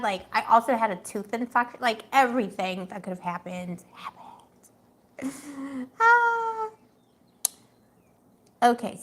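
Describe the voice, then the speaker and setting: Gossipy tarot streamer, woman, slightly high voice, a bit worn. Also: fairly bright tone. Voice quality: gossipy, chatty, laughs often. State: losing her voice. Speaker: tarot reader. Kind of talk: casual livestream tarot reading.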